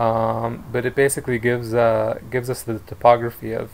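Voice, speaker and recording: A mumbling man at a moderate pace and medium pitch, with monotone, flat intonation. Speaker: software developer. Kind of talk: software demo screencast. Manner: mumbling, hesitant with many fillers.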